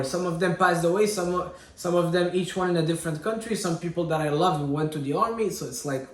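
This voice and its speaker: A man's voice: on the high side, roomy sound. A man in his late twenties, from Syria, speaking candidly to camera in a personal vlog, often repeating himself and adding fillers as he searches for words. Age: 20s. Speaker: fitness vlogger. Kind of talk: personal reflective monologue.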